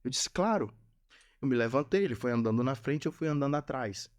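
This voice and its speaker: A man's voice: mid-range voice, animated, brisk. A man, a Catholic missionary and podcast guest, telling a personal testimony and repeating phrases for emphasis. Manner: earnest storyteller who repeats phrases for emphasis.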